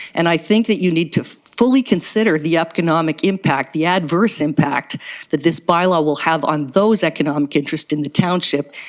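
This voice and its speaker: A woman has an unremarkable speaking voice and talks at a fairly quick pace. Her pitch variation is ordinary and her loudness very even. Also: fairly low pitch for a woman. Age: 60s. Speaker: resident speaking at council meeting. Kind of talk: public meeting statement. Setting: town hall council meeting. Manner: formal.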